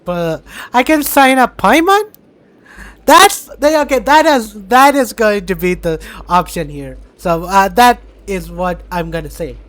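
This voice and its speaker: A woman hosting a gameplay video with casual commentary, halting and often repeating her phrases. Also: medium pitch, animated. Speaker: gaming video host. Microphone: mic propped on stack of books. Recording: loud music behind the voice.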